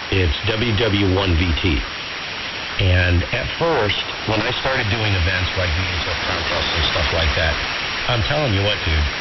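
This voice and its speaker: A man's voice: deep voice, dull audio. A man chatting casually as an amateur radio operator, explaining things in a colloquial, emphatic way with frequent check-in questions. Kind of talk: casual ham radio chat. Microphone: radio transmitter audio heard over the air. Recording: very noisy, hissy AM radio signal.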